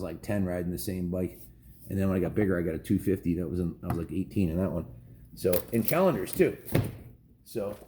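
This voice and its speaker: This American man in his fifties has a dark tone and a voice on the low side as he reads a children's story to kids. He tells it in a folksy, easygoing way, throwing in asides and often repeating or correcting himself. A roomy echo and faint background noise come through.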